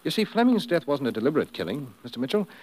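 A man's voice: a little high, big pitch swings, a little mellow, breathy edge. Courteous, methodical policeman. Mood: matter-of-fact. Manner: measured, polite, explanatory. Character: courteous, methodical male police officer in charge. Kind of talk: 1950s radio drama acting. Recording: vintage 1950s radio broadcast.

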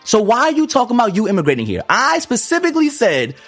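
A man's voice: very high voice, wildly swooping pitch, fast, a bit bright, soft background music. A man co-hosting a podcast, debating heatedly, cutting in often, swearing and repeating himself to hold the floor. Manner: emphatic, interrupts, swears, repeats "listen". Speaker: podcast co-host.

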